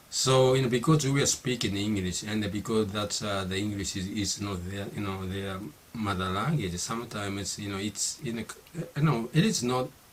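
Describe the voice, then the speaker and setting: Over noticeable background noise, a man with a fairly low pitch talks with hardly any pauses and ordinary pitch variation. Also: moderate pace. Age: 50s. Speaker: YouTuber learning English. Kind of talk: casual vlog monologue. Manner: halting, many fillers and restarts.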